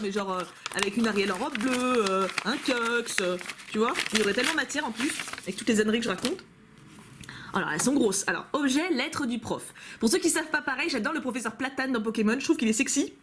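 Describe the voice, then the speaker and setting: A woman's voice: fairly high pitch, animated, quick pace, a bit bright, slight background noise. A young woman vlogging at home, chatting playfully as she opens fan-made cards, recorded on a camcorder. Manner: gushing, playful, chatty with frequent laughs. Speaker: YouTuber opening fan mail. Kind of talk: casual unboxing chat.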